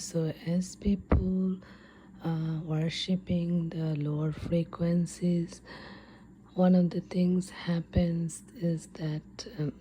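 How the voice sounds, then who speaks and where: A woman whispering in a breathy, unvoiced ASMR storytelling style, hesitant and unscripted with drawn-out pauses. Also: low voice, warm tone, slight background noise, low-quality recording. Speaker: host of an ASMR storytelling channel.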